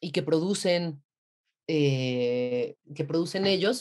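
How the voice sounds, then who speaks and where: Against a quiet background, a woman speaks very slowly in a very deep, low pitch. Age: 40s. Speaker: actress. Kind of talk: interview.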